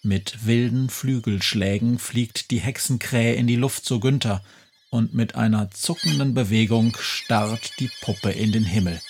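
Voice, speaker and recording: A man narrating a children's audio story in a calm, deliberate storytelling manner. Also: mid-range voice, a little hiss or hum.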